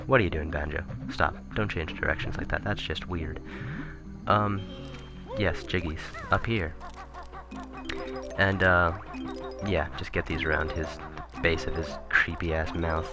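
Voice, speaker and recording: Deep-voiced man rambling over game music. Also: fairly even intonation, measured pace. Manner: rambling, self-correcting, chuckling asides. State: voice getting raspy. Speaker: let's play commentator. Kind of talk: casual gameplay commentary. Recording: game music playing behind.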